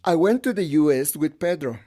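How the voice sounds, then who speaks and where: A man's voice: fairly high pitch, expressive, brisk, crowd noise, close to an everyday voice. A man voicing an older gay Mexican hairstylist in a conversational, frank voice-over of personal memories. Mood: frank, reminiscing. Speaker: English voice-over translator of interviewee. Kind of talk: first-person dubbed storytelling.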